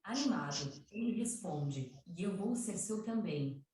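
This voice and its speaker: A woman's voice: mid-range voice, measured pace. Synthetic female assistant voice, echoey and distant. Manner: even, clipped machine reading. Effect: synthetic voice-assistant speech from a smart speaker. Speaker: voice assistant telling a joke. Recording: echoey, distant smart-speaker playback with faint room hum.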